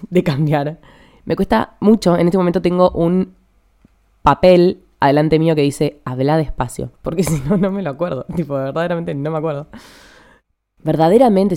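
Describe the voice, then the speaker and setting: Hurried, wired young Argentine woman, low-pitched. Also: darkish tone. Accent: Argentine Spanish. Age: young adult. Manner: hurried, over-energized, wired delivery. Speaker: podcast host. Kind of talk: casual podcast monologue.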